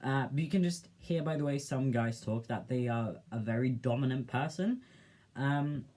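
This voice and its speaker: A young man speaks to the camera in a soft, gentle voice at a middle pitch. He talks casually and thoughtfully, pausing often with fillers as he works through his thoughts. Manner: reflective, hesitant, with many fillers. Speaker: vlogger. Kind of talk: casual personal vlog.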